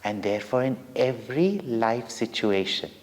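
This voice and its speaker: A man with an Indian accent telling devotional stories for children as a Hindu swami, in a deliberate, dramatic way with short pauses between phrases. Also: medium pitch, lively intonation. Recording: long reverberant hall echo.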